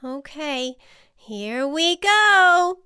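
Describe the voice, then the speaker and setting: A woman's voice: high-pitched, sing-song, takes it slowly, a bit bright, dry recording, studio quality, voice pushed up, exaggerated voice. A woman voicing a timid, stubborn female butterfly in a children's storybook, with an anxious, protesting and exclamatory manner. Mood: nervous.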